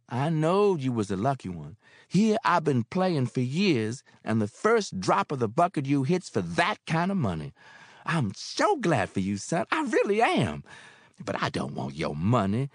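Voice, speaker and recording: Male narrator doing an older motherly landlady for an audiobook, scolding and warmly bossy, lively sing-song lines, dry studio. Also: mid-range voice, measured pace, dry recording, pitched above the performer's own voice. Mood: delighted. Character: older motherly landlady, gruff but kind-hearted. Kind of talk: audiobook character voice.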